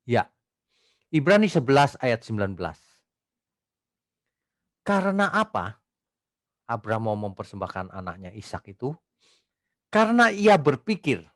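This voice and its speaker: A male pastor teaching an online Bible study, reading scripture slowly and asking rhetorical questions. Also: on the low side, no echo, studio quality. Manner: reads scripture aloud slowly.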